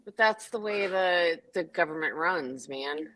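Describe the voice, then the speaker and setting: Woman on a stream from her barn, kinda low voice, laughy and blunt. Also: expressive, a little slow, fairly bright tone, rough recording. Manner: frank, laughing, swears casually. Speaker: stream guest. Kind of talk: casual live stream chat.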